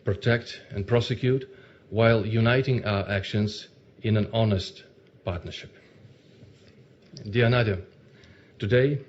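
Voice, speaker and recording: A man's voice: fairly low pitch, darkish tone, slight background noise. Earnest man reading a formal address. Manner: earnest, deliberate, read from a text. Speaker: speaker at a ceremony. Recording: muffled lo-fi recording.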